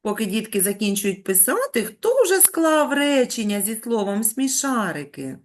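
Woman teacher leading an online lesson for small children, lively rising and falling voice, gentle praise. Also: fairly high pitch, moderate pace. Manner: patient, coaxing, praises with pet names. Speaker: primary school teacher.

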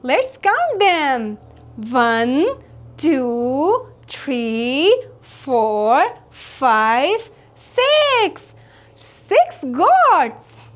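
A young woman presenting a children's educational lesson in a bright, sing-song, exaggerated cheerful manner, like an educational toy. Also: high-pitched, big pitch swings, drawn-out words. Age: young adult. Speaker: children's counting lesson host.

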